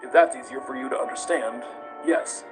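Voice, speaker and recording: A man's voice: medium pitch, normal speed, close to an everyday voice. A man voicing a grave, proud, obsessive scientist in a dramatic comic dub, speaking formally and intensely. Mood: grave, suspicious. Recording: music playing under the dub.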